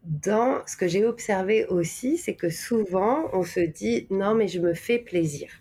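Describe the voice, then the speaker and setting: A woman's voice: medium pitch, a little slow, mellow, slightly rough. A woman from Normandy with a French accent, talking reflectively as a podcast guest, searching for her words and stressing key ones. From Normandy, France. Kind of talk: reflective conversational interview.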